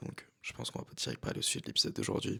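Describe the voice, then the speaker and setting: A soft-spoken man talks at a very fast pace. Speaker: podcast host. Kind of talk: casual monologue.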